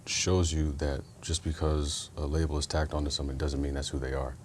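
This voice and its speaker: A man hosting an interview, affirming his guest and speaking in a steady, pointed way. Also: rumbling low, brisk, a little hiss or hum. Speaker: podcast host. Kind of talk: conversational interview.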